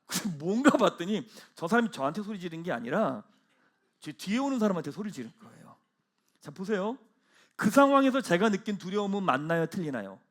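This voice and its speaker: A male pastor delivering a Sunday sermon in a church, his voice sitting high and moving with wide, lively swings of pitch. He rises into loud proclamations, then drops to hushed, quiet asides. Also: a little fast. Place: church sanctuary.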